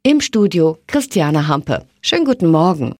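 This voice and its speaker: A woman's voice: sits low, very animated, unhurried, a little mellow, faint music behind. A woman reading scripted radio news as a presenter, with a standard German accent. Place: radio studio.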